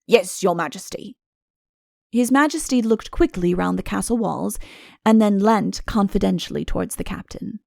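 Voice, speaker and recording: A woman's voice: medium pitch, expressive, moderate pace, gravelly, dark tone, no room sound, clean studio sound. A woman reading scripted comic fairy-tale narration as an audiobook narrator.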